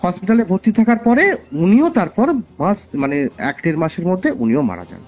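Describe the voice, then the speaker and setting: A man with a fairly high, mellow voice and a West Bengal Bengali accent tells his story in an earnest, conversational way. He circles back on phrases to stress them. The sound is a dull, lo-fi call recording with music underneath. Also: huge pitch swings, moderate pace. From West Bengal, India. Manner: earnest, repeats phrases for emphasis. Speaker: caller sharing a personal ghost story.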